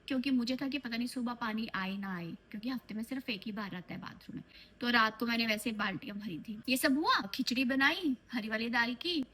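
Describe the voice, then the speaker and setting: A tired woman chats away in a high, bright voice as she vlogs from a TV set. She talks straight to her viewers, casual and animated, while sounding sleepy. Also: slight background noise, low-quality recording. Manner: chatty, animated, addresses viewers as lovelies. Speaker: vlogger and TV actress. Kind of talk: casual chatty vlog. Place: on a TV shoot location, in and out of doors.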